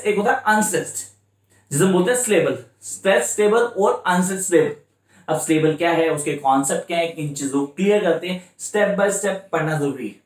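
A man tutoring students for an exam, switching between Hindi and English with an Indian accent and repeating his points step by step. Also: a little high. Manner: repetitive, coaching, slows right down for English phrases. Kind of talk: exam-prep lecture in mixed Hindi and English. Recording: echoey room.

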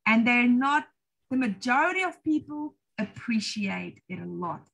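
Middle-aged South African woman, encouraging trainer, husky, video call. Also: a little high, lively intonation, measured pace, fairly bright tone, rough recording. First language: English or Afrikaans. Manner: chatty, encouraging, self-deprecating. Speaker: IELTS trainer hosting a webinar. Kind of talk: webinar Q&A answers. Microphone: laptop video call.

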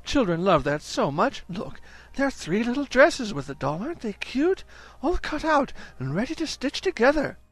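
A man's voice: very high-pitched, very animated, normal speed, no room sound, pitched above the performer's own voice, heavily acted. A man doing a chatty, doting society mother. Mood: enthusiastic. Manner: chatty, enthusiastic.

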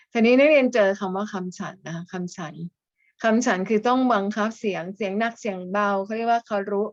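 A woman teacher giving a class lecture, explaining step by step and often adding soft polite endings. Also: mid-range voice. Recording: slightly dull, lo-fi.

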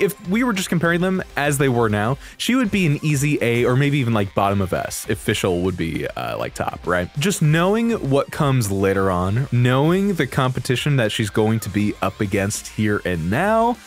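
A young man giving casual, slangy and excitable reaction commentary as a video creator, swearing freely. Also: mid-range voice. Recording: music playing behind the voice. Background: game trailer music.

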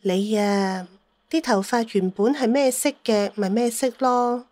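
A woman's voice: a little high, fairly even intonation, unhurried, darkish tone, no echo, clean studio sound, close to an everyday voice. A woman playing a strong-willed, bossy elderly mother who scolds and needles in an audio drama. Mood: needling, stern. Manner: scolding, needling, mock-aggrieved.

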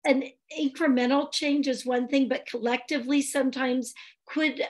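A woman's voice: high-pitched, steady tone, moderate pace, a little mellow. A woman in her sixties who is losing her voice, talking earnestly through a public meeting on a video call from home, with many fillers and restarts. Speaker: board chair. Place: home room, indoors.

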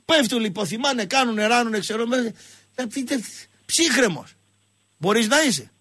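A male sports radio host with a husky, high-pitched voice. He tells comic stories in an animated way and jumps into shrill voices for the people in them. His voice sounds dry and close. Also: no room sound. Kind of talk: comic storytelling and call-in chat.

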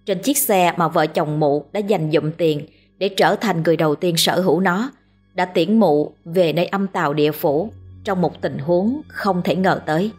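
Breathy woman telling a ghost story. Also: lowish voice, soft background music. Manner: steady, measured storytelling. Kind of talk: scripted ghost story narration.

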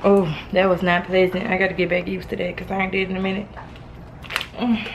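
A woman in her 20s, with a lowish voice and level tone, talks a little fast in a casual, unfiltered vlog rant aimed right at her viewers. She films it on a handheld phone at home and then in the car, against a noisy background.

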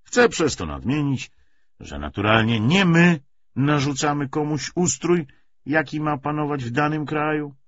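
A pompous communist commissar acted out by a male reader lectures in emphatic, rhetorical phrases. His husky voice swings widely in pitch, on a slightly dull audiobook recording. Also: expressive, measured pace, fairly bright tone. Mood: self-righteous. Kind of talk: political speech within an audiobook novel.

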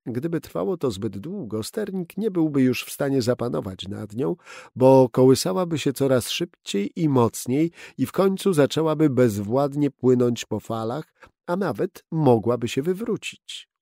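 A man narrating an audiobook in a steady, expressive storytelling manner, recorded close up in a studio booth. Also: medium pitch, moderate pace, creaky, no echo. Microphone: close studio mic.

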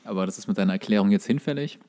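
Fast-talking young man with dry humour. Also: fairly low pitch, mellow. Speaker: podcast co-host. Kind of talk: casual banter.

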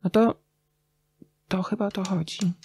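A middle-aged woman talking casually and reflectively as a podcast guest, telling stories expressively with thoughtful pauses. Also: medium pitch, fairly even intonation. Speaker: interview guest, radio journalist and writer.

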